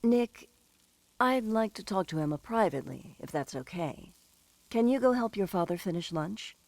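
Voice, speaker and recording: A woman's voice: mid-range voice, animated, moderate pace, a little mellow, dry recording, lightly acted, poor audio. An actress playing a poised, protective middle-aged mother and lawyer in an audio drama, articulate and firm but kindly. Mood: poised, tactful.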